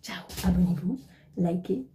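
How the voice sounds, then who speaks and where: A woman vlogger showing her groceries in a casual video at home, chatty and teasing, counting items out loud. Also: lowish voice, a little slow.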